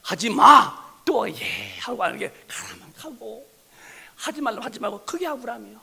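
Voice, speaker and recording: A male pastor preaching a sermon, telling a story with lively acted-out dialogue and shouted lines for emphasis. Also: very high voice, a little fast, vocal fry, in a large hall.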